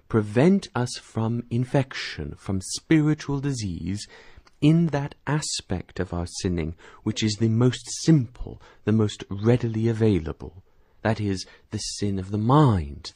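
Measured, mellow-voiced male priest. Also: medium pitch, no echo, clean studio sound. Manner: measured, deliberate, earnest. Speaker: priest giving commentary. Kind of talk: spoken homily commentary, reading patristic text.

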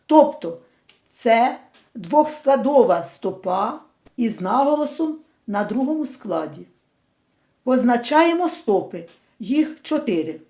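A woman teaching in a slow, deliberate scripted lesson narration, carefully spelling out syllables. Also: fairly high pitch, sing-song, warm tone, reverberant.

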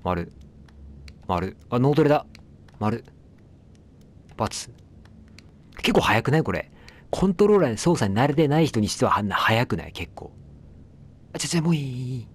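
A man's voice: medium pitch, big pitch swings, moderate pace, long pauses. A man giving casual let's play commentary, chatting to the game and its characters as he plays. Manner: chatty, talks back at the game, apologizes for noise.

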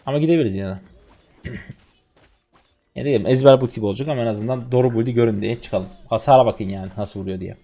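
A man in his twenties from Turkey, a streamer chatting excitedly to viewers while commentating his own gameplay. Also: mid-range voice, quick pace, long pauses. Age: 20s.

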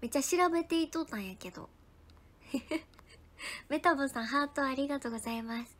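A young woman streaming as an idol chats briskly in a bright, high voice while going through viewer comments. Talkative and friendly, she thanks each person by name and keeps breaking into whispered asides.

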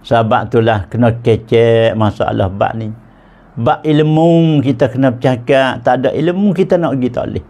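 A man's voice: medium pitch, moderate pace, warm tone. A man with a Patani Malay accent giving a religious lecture in a mosque, jovial, quizzing his listeners and chuckling often. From southern Thailand. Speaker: religious teacher.

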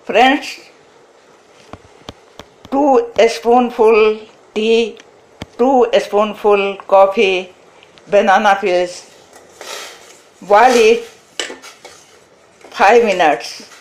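A woman whose first language is Hindi walks through a gardening recipe one short phrase at a time. She speaks at a very slow, deliberate pace with a mid-range voice and plain, clipped wording. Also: medium pitch, fairly even intonation. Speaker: gardening channel host. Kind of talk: step-by-step how-to narration.

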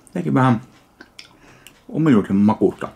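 A man from Finland tasting and reviewing a ready meal in slow, dry, deadpan remarks. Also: mid-range voice, gravelly. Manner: slow, dry, deadpan commentary between bites. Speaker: food reviewer. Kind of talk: casual food tasting review.

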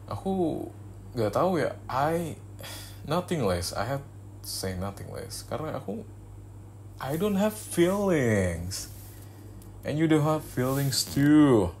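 A man's voice: mid-range voice, big pitch swings, unhurried, slight background noise. A young man voicing a cold, dismissive husband in an arranged marriage, in a spoken ASMR role-play. He talks bluntly in casual slang and slips English phrases in between.

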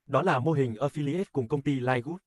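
A man's voice: mid-range voice, normal speed, no echo, close to an everyday voice. Man acting a friendly cartoon businessman, dry studio sound. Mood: friendly, persuasive. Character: friendly businessman pitching a venture to an acquaintance. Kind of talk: scripted cartoon advertisement dialogue.

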